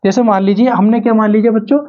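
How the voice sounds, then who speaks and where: A man's voice: high-pitched, fairly even intonation, quick pace. A man teaching a physics class, repeating key phrases and asking questions that he answers himself. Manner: repetitive, asks questions and answers them himself. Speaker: physics teacher for exam coaching. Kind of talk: classroom lesson to camera. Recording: dull lo-fi audio.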